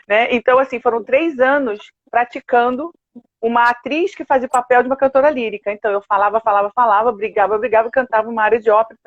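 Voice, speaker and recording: Brief: older Brazilian woman, singer guest, bright-voiced raconteur, dry dull video-call sound. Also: on the high side, fast talker, no echo. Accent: Brazilian Portuguese. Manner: lively storyteller, animated quoted asides. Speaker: guest, opera and musical theatre singer. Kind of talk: casual interview chat.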